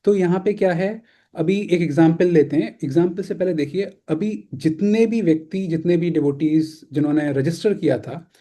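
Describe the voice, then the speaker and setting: A man's voice: fairly high pitch, moderate pace, mellow. A young man teaching a scripture class online in a casual, conversational way, often checking in with listeners. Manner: conversational, mixes English words, asks "है ना?". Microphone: video call.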